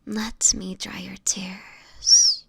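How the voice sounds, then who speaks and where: A woman playing a sickly, gentle, anguished vampire in an intimate audio roleplay, speaking in a breathy, often whispered voice with tender, halting, formal phrasing. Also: mid-range voice, steady tone, no room sound, full character voice. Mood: tender, soothing. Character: sickly homeless young female vampire, gentle, anguished, self-sacrificing.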